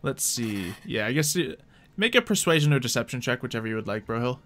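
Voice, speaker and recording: A man's voice: medium pitch, very animated, fast talker, a bit bright. A man acting as game master, narrating a tabletop roleplay in an easygoing, conversational way.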